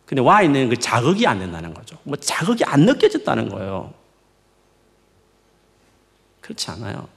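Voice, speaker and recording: A male pastor delivers a sermon, his voice swooping high and low as he leans into each point. There is a gravelly fry in his tone, and he coaxes his listeners with rhetorical questions in a warm, conversational manner. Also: normal speed, long pauses. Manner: lively, rising and falling emphatic preaching.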